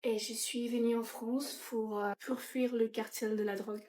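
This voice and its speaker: Woman doing a breathy flirty Latina in her twenties, put-on Latin American accent, a bit high, echoey room. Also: level tone, moderate pace, a little mellow, natural voice. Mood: flirtatious. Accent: put-on Latin American Spanish.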